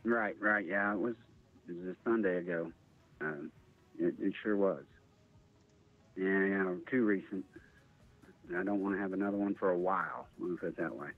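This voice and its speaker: A man's voice: low voice, moderate pace, long pauses, soft background music. A man from the United States, an interview guest giving a casual, hesitant personal account over a phone-like connection. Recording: thin phone-line sound.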